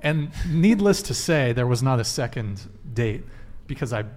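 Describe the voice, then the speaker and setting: A man hosting a casual dating podcast panel, blunt and quick to laugh, swearing casually. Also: medium pitch, lively intonation, a little mellow. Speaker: podcast host.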